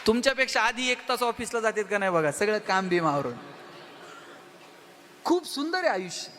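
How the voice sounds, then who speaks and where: A man giving an animated motivational stage speech, telling humorous stories and speaking straight to the audience. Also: sits high, normal speed. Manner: animated, addresses the audience directly. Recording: long hall reverb with faint music.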